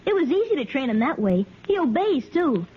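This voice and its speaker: An eager young boy in a 1950s radio play, earnest and quick to answer. His voice is high and bounces all over. The old recording sounds dull and muffled. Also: very animated. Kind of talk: 1950s radio drama acting.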